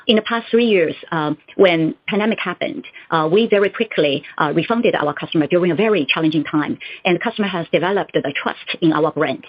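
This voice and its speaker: A woman executive giving formal, somewhat halting answers to analysts on an earnings call. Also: on the low side, breathy edge. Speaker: company executive. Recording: muffled conference call audio.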